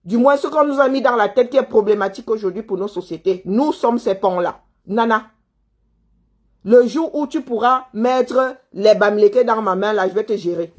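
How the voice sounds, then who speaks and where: Here a commentator from Cameroon responds to viewers in a fairly high, darkish voice at a moderate pace. Her monologue is heated: she scolds the listener, says things over again, and throws out rhetorical questions.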